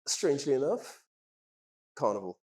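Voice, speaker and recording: A man's voice: mid-range voice, big pitch swings, normal speed, a little mellow. A male jeweller, raised in Trinidad and England, talking casually in an interview with many ums and restarts. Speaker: jeweller, guest.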